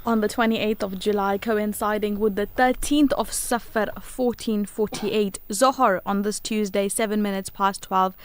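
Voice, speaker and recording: Woman, radio co-host, steady and friendly, reading times, mid pitch. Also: moderate pace, few pauses, slight background noise.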